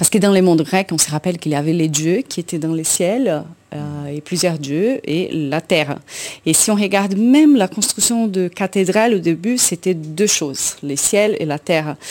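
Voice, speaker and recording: A woman speaks at a moderate pace with a fairly low pitch. Her intonation is lively. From Brazil, São Paulo. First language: Portuguese (speaking French). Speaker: orchestra conductor. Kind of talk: casual chat.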